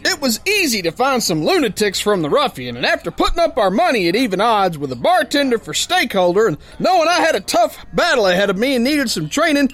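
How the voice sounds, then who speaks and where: A man playing a brash, rough prize-fighting sailor who tells his tale in slangy, folksy tough talk, in the style of old-time radio adventure. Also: very high-pitched, fairly bright tone, heavily acted.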